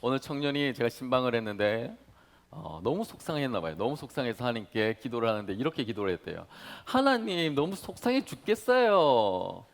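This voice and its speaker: A man in his thirties, a pastor preaching to young adults, dramatic in delivery, acting out prayers and swinging from hushed to loud. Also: mid-range voice, expressive, quick pace. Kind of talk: sermon.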